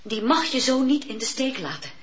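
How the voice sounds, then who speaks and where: An emotional, pleading wife. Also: female voice, sits high, big pitch swings, normal speed, crowd noise. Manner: pleading, urgent. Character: distressed married woman, emotional. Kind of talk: radio play acting. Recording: dull old radio recording.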